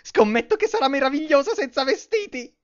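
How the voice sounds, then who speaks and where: A man in an amateur anime fan dub playing a girl-crazy, excitable teenage schoolboy, melodramatic and swinging between outbursts and hushed lines. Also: very high voice, a little fast. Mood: excited, lustful. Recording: dull lo-fi home recording.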